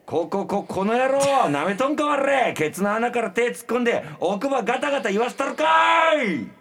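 A man voicing a hot-tempered, stammering tough guy with a Kansai accent, shouting threats. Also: very high voice, expressive, moderate pace, slight background noise, voice pushed up, heavily acted. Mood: flustered fury.

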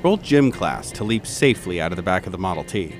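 A man's voice: sits low, big pitch swings, brisk, soft background music. A man narrating a tabletop horror game dramatically in the second person as game master.

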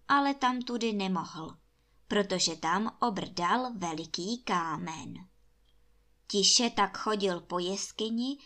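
A woman reading a fairy tale aloud to children as a bedtime story, in a calm, measured storytelling manner. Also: mid-range voice.

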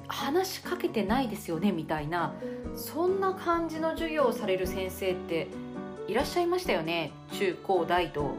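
Lively Japanese woman voice coach. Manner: lively, demonstrative, varies her pitch on purpose. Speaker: voice coach and podcast host. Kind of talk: solo podcast lesson on speaking.

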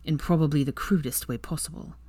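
A protective, possessive young male wizard in a storybook reading, his lines low and hushed, as a woman narrator puts him on. The voice sits deep, with a close, dry sound. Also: a little fast, husky, no room sound.

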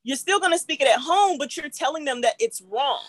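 A woman's voice: high voice, expressive, fairly quick, dry recording. A woman with an African American accent speaking emphatically in a group discussion, often checking for agreement. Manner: emphatic, seeks agreement with "right?". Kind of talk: animated panel discussion.

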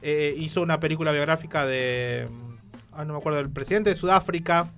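A man talks through the news as a podcast co-host. His voice sits fairly high for a man, and he rambles, restarting and hunting for words. Faint music runs underneath. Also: brisk, fairly bright tone. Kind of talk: casual news chat.

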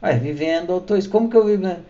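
A man's voice: high-pitched, rapid-fire, warm tone. A man giving a conversational spiritual teaching, explaining with everyday examples and acting out quoted lines. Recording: muffled lo-fi recording.

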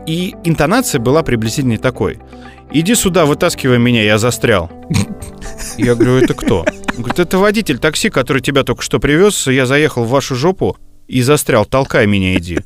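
A male podcast co-host chatting casually, telling a long story and often pausing on filler sounds. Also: mid-range voice, big pitch swings, faint music behind. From Moscow region. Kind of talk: casual chat.

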